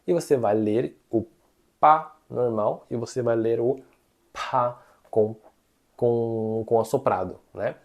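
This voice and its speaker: Brazilian tutor, warm low-key tone, patient, keeps checking the student follows. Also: vocal fry. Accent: Brazilian Portuguese. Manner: patient, checks in often with tag questions; drawn-out repeated syllables to model pronunciation. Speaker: Mandarin teacher. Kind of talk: online language lesson.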